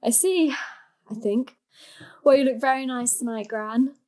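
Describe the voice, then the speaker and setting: An actress playing a proud, caring young granddaughter with a matter-of-fact manner. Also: female voice, a little high, a little slow, dark tone, lightly acted.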